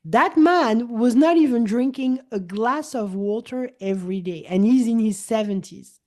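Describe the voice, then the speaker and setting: Here a French-born woman in her forties talks unhurriedly in a higher register. Hosting a casual wellness-coaching conversation, she stays animated, circles back with repeated words and restarts, and often acts out what others said.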